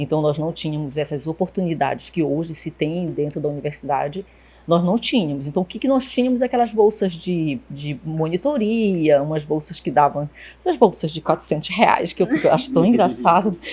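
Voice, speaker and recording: Woman with a fairly low pitch, dark, mellow tone, somewhat breathy, lively intonation and moderate pace. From interior of Pará, Brazil, raised in Parintins. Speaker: university professor. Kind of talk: casual interview. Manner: halting, repeats words.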